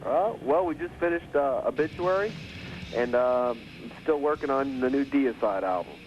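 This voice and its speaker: A record producer calling in by phone, speaking casually and hesitantly with many fillers, heard from a worn tape copy. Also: male voice, medium pitch, expressive, normal speed, darkish tone. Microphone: telephone. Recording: dull phone line on worn tape with hiss.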